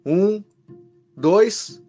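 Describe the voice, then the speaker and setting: A man's voice: sits high, expressive, very slow, warm tone, soft background music, voice pushed up, exaggerated voice. A man voicing a cold, vengeful man who gives threats and orders dryly, in a horror story. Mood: cold, resolute. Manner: dry, commanding, threatening. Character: cold, menacing man, a vengeful jealous husband with revolver.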